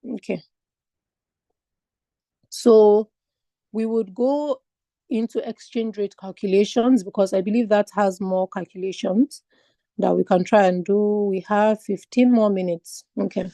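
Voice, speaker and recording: Nigerian woman teaching a class online, warm low tone, asks lots of questions as she explains. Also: fairly even intonation, unhurried, long pauses, dry recording. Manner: patient step-by-step explaining with rhetorical questions. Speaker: finance exam tutor. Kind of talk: online lecture.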